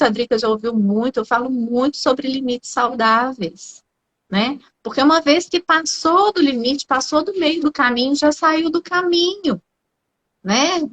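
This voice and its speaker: A woman's voice: high voice, a bit bright. A woman psychologist in a casual live chat, explaining ideas reflectively and checking in with frequent tag questions.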